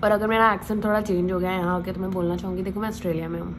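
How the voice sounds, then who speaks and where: A young woman from India, with an Indian English accent, chatting casually in an animated travel vlog, switching between Hindi and English and swearing often. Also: fairly low pitch, racing, noisy background. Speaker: vlogger. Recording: background music over the talk.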